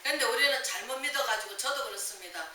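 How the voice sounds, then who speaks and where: Woman pastor preaching hard, super bright cutting voice, lots of questions to the room, big echoey church hall with a bit of hiss. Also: fairly high pitch, fast, distant mic. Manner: emphatic preaching with rhetorical questions. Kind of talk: sermon. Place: church sanctuary.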